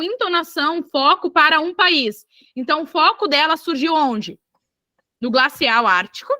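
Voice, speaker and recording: A woman from Brazil teaches an online exam-prep geography lesson with a high, bright, forceful voice. She is lively and keeps turning to her students to check they follow. The sound is dry and close to the mic. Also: dry recording.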